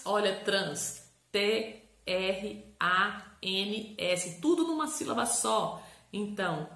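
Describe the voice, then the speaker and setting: Lively teacherly woman in an echoey room. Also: mid-range voice. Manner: lively teacherly explaining, drawing out syllables and spelling aloud. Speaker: psychopedagogue. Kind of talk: educational explainer video. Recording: roomy echo.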